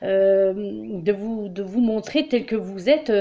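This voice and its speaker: A woman giving a tarot reading for the week, talking to viewers as dear friends, halting, with many fillers and restarts. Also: medium pitch, dull audio. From France. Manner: addresses listeners warmly as dear friends. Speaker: tarot reader giving weekly guidance. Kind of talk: casual spiritual monologue to viewers.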